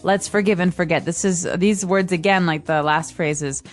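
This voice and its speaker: A woman's voice: on the low side, steady tone, normal speed, soft background music. A woman co-hosting an English-learning podcast, explaining phrases casually with everyday examples and acted-out sample lines. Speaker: podcast co-host, English teacher. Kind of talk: casual teaching chat.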